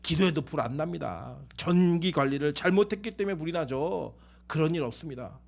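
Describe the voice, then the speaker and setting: A man's voice: on the high side, animated, brisk, vocal fry. A man voicing a flustered male pastor who protests his innocence to a judge in a joke told during a sermon. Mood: protesting. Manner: pleading, protesting. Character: flustered male pastor denying blame in court.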